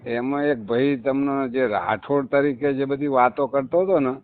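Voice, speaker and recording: A man's voice: medium pitch, moderate pace. A man, a caller on a phone call, talking insistently and repeating his points with emphasis. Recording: tinny phone call recording.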